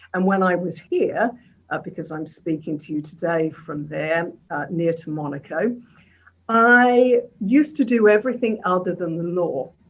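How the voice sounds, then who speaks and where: A woman with an English accent and a fairly low voice, with lively intonation, big swings in loudness and a moderate pace. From England. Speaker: author and communications coach. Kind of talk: interview.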